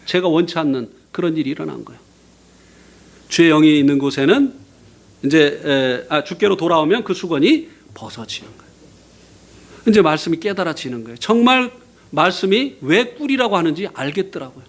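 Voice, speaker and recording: A male guest preacher tells his testimony from the pulpit. His voice sits high and swings widely as he acts out other people's words. He laughs often as he goes. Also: brisk. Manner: lively storytelling, acting out quotes and laughing. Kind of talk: sermon with personal testimony.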